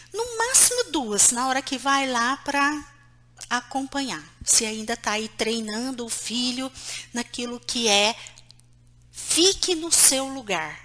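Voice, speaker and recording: A woman psychologist with a high, bright voice teaches an online class on raising children. She speaks slowly and deliberately, pointing out places on a diagram as she explains. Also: slight background noise. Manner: acts out short quoted lines between mother and child. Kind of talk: online lesson on parenting.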